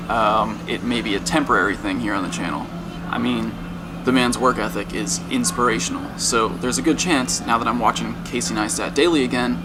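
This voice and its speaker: A man hosting his own vlog, talking casually and rambling to the camera with self-aware asides. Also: medium pitch. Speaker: vlogger and channel host. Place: in stores and a car, noisy surroundings. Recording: noisy background with ambience.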